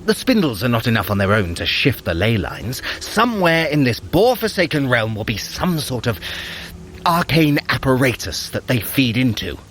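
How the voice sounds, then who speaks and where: A man's voice: mid-range voice, very animated, moderate pace, a bit bright, slight background noise. A man playing a sly, theatrical Norse trickster god in an audio adventure, wry and flamboyant, with elaborate formal wording. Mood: sly, measured. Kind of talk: dramatic audio adventure acting.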